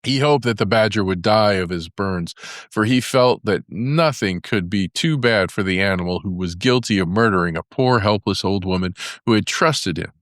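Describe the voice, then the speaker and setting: A man narrating a fairy tale as a storybook, in a measured storytelling manner. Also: lowish voice, a bit bright, dry recording, clean studio sound. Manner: measured storytelling with character voices for dialogue.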